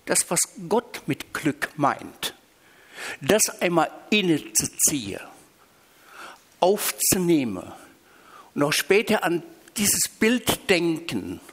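A man from Switzerland, preaching a sermon with emphatic, drawn-out stressed phrases. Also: on the high side, very animated, fairly bright tone, husky. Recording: reverberant hall.

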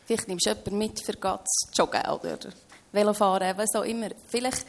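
A woman's voice: mid-range voice, fairly even intonation, a little fast, creaky. A woman with a Swiss German accent, talking earnestly as a guest in a faith-based conversation, often opening her thoughts with "hey".

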